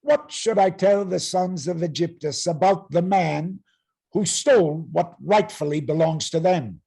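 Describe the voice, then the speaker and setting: An actor playing an arrogant, menacing herald in a Greek tragedy reading, threatening and declamatory in a rasping voice. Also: male voice, sits high, measured pace, warm tone, full character voice. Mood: cold threat. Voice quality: gravelly, rasping. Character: menacing, arrogant herald claiming women as property. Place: online video-call reading.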